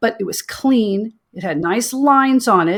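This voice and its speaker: A woman speaks with an American accent. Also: very clean recording, silent background. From Texas. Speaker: entrepreneur and business consultant. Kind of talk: interview.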